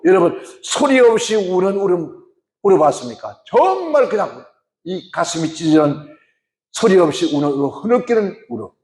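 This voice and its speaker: A man's voice: high-pitched, darkish tone. A male pastor preaching a sermon, often questioning the congregation. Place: church. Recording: echoey church hall.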